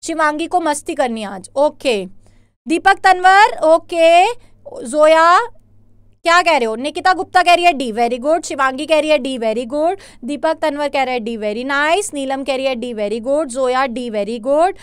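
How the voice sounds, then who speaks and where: Woman, very high voice, dry close sound; upbeat online tutor calling out student answers. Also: dry recording. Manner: interactive, reads out students' answers and praises them; mixes Hindi with English terms, reads questions slowly. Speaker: online biology teacher. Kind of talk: live online exam-prep class.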